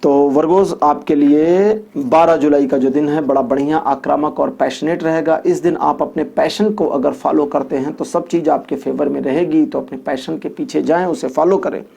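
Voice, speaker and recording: A man's voice: on the high side, normal speed, creaky, darkish tone, husky. A man giving a weekly tarot horoscope reading, explaining each point with repetition and homely examples. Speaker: tarot reader.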